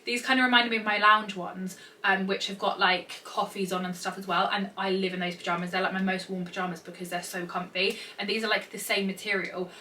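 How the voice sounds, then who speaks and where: British woman, twenties, bubbly girly gushing manner, bright voice, chatty vlog style, mic at a distance. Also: medium pitch, flat delivery, fairly quick, hardly any pauses. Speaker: vlogger. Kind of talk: casual chatty vlog to camera. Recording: distant mic, faint background noise.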